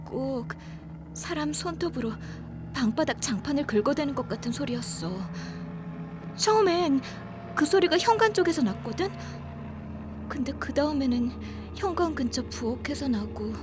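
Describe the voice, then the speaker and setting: An actress playing an anxious young woman confiding in a friend, in horror audio drama dialogue with a hesitant, halting delivery. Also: high voice. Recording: background music under the voice.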